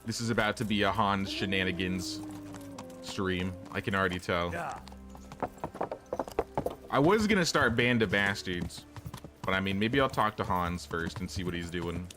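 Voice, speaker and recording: A man's voice: sits low, expressive, moderate pace, long pauses, over music. Chatty man streaming a game. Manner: chatty, talks to chat while playing. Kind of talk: casual gameplay commentary.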